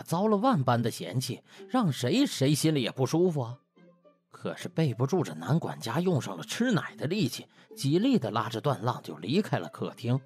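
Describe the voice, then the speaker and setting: Male narrator for comic fiction, dramatic storyteller, slightly rough voice, wide swings in pitch. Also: darkish tone. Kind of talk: scripted comic audiobook narration. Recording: music bed behind the voice.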